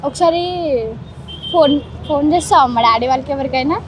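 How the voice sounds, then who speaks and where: Fast, high-voiced young woman on noisy street. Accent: Telugu, Telangana. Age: teens to young adult. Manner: insistent, repeats herself. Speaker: student making a prank call. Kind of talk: casual phone chat with a friend. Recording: noisy outdoor street with traffic.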